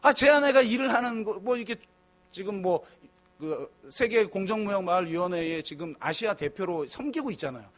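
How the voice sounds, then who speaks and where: Middle-aged male pastor, very high pitch, conversational church sermon with soft asides and loud emphatic peaks. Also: animated, fairly quick. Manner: conversational preaching, swings from soft musing to loud emphatic outbursts. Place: church sanctuary.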